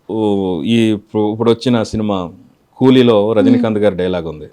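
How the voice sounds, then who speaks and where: A man, a mimicry artist, giving calm, reflective interview answers. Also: lowish voice, moderate pace.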